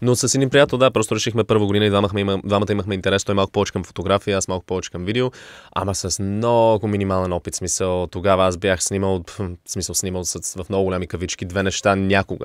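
A man talks very fast in a fairly low voice with fairly even intonation, a dry sound with no echo and a quiet background. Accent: slight North American. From Canada and US, born in Sofia. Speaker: filmmaker and entrepreneur; podcast guest. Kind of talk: casual interview chat. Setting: studio. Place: studio. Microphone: studio mic.

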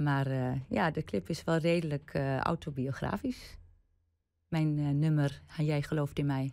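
A woman's very deep, low voice with ordinary pitch variation, a dark, mellow tone, very even loudness, a fairly slow pace and a quiet background. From Netherlands, Overijssel. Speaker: singer; interviewee. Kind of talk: TV interview. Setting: TV studio. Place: studio. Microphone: studio mic.

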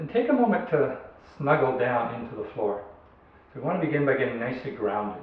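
At a fairly quick pace and with ordinary pitch variation, a man speaks in a room with audible echo. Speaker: yoga teacher. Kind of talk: guided meditation and instruction. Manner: gentle, instructive. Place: home room. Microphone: camera far.

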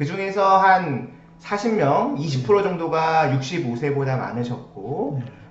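Noticeable background noise and audible room echo surround a man with a fairly high pitch. He speaks at a very slow pace with lively intonation. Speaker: doctor. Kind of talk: medical explainer interview. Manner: hesitant with many fillers.

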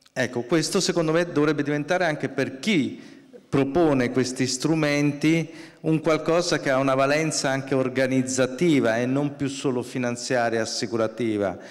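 A man speaks in a normal speaking voice, fairly high in pitch with ordinary pitch variation. His pace is moderate, his loudness very even, and the background quiet. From Marche, central Italy. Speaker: university professor. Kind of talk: conference panel discussion. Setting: stage with audience. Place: stage.

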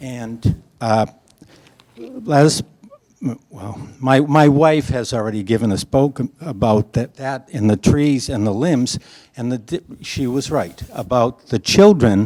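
This man's voice sits at a medium pitch, and its pitch varies in an ordinary way. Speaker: public commenter at town meeting. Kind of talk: public comment. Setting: town hall meeting room. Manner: loud; halting.

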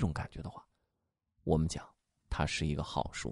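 A man speaking against a quiet background. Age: 40s. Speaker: audiobook narrator and literary commentator. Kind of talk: casual late-night commentary monologue. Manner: conversational, addresses listeners directly.

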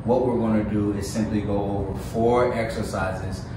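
The voice is monotone and flat, with audible room echo and noticeable background noise. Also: man. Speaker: fitness trainer. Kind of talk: workout tutorial. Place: garage. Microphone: camera far.

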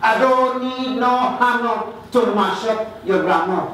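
Over light background noise and strong room echo, a man talks at a very slow pace. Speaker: poet performing. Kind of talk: poetry performance. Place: hall.

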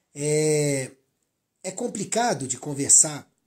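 In a very clean recording with a silent background, a man's somewhat breathy voice carries a dark, mellow tone, a fairly high pitch and lively intonation. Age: 40s. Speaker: physician answering health questions. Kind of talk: live Q&A stream.

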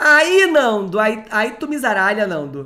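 A man speaks in a raised, projected voice, high-pitched and bright with a sharp tone, moving at a very slow pace through very wide pitch swings. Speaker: gaming channel host. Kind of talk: casual livestream banter. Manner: animated, jokey.

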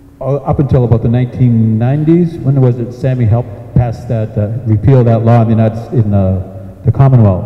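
In a room with audible echo, a man speaks at a fairly slow pace with ordinary pitch variation. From New England, US. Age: old. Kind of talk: conference presentation. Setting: stage with audience. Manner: halting. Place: hall. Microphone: handheld.

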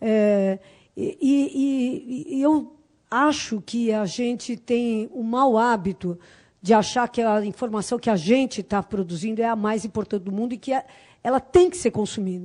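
A woman speaks at a fairly slow pace in a fairly high voice, her tone dark and mellow and her intonation lively, against a quiet background. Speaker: journalist. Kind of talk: panel debate. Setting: stage with audience.

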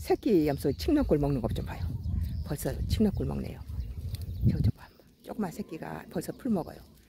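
The speech moves at a fairly quick pace. Loud background noise is present. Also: woman, dry sound with no echo. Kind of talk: casual vlog chat. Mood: amused, affectionate. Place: open country. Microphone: phone near.

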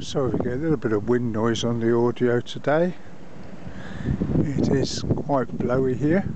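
A man at a moderate pace, in a dry sound with no echo, against loud background noise. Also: ordinary pitch variation. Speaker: vlogger filming a local beach. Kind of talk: casual walking vlog commentary. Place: beach. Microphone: phone near.

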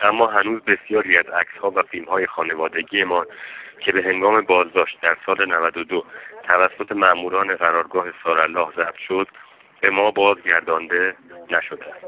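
A man speaks at a moderate pace in a very deep, low pitch. His intonation is monotone and flat, with noticeable background noise. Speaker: political prisoner. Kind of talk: reading a written legal defense. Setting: phone line.

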